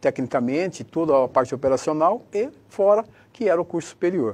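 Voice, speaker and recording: His pitch sits fairly high for a man. He speaks at a fairly quick pace with lively intonation. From interior of São Paulo state, Brazil. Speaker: retail chain executive. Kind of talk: interview. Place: studio.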